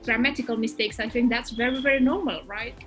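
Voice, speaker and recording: A woman's voice: fairly high pitch, fairly even intonation, quick pace, a bit bright, soft background music. A woman host whose first language is Indonesian, asking questions in a chatty, bubbly way. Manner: chatty, bubbly, lots of fillers and laughter. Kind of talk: casual interview questions.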